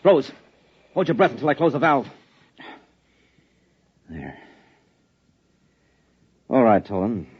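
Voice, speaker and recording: An actor playing a hard-edged, secretive armed husband who interrogates forcefully in a 1950s radio drama. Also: male voice, medium pitch, sing-song, takes it slowly, pauses often, slightly rough, exaggerated voice. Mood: threatening. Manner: forceful, clipped, threatening. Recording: dull, muffled old radio recording.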